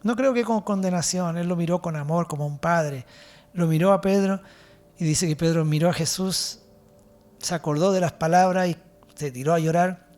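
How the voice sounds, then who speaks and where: A man with a Chilean accent preaching a sermon as pastor, fervent, his points sometimes trailing off to a hush. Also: high-pitched, normal speed.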